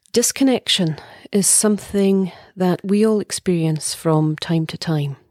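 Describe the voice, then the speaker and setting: A middle-aged woman leading a guided meditation as a teacher, speaking softly and breathily in a calm, gentle way with long pauses. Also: lowish voice, no room sound, studio quality. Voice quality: soft, breathy.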